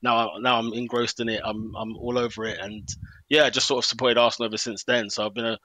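A man in his thirties, a stadium announcer guesting on a podcast, telling stories in a quick, animated way. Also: mid-range voice, no echo. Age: 30s. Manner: quick, animated storytelling with laughs. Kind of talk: conversational interview.

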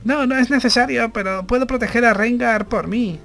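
A man's voice: high-pitched, normal speed, fairly bright tone, faint music behind, pitched above the performer's own voice. A man from reading aloud the lines of an earnest young woman security officer in a game, in his own plain voice. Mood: insistent.

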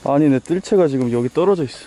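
A man's voice: a little high, quick pace, slight background noise. A man chatting casually with a friend while fishing outdoors at night, exclaiming often. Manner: excitable, exclaims loudly. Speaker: fishing companion. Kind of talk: casual chat. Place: reservoir bank at night, outdoors.

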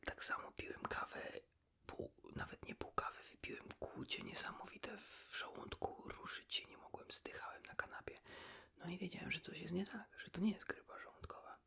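A man's voice: sits high, huge pitch swings, normal speed, vocal fry, bright, forceful tone, slightly rough. A man whispering a casual ASMR chat, confiding in the listener in an informal storytelling way. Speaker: ASMR video host.

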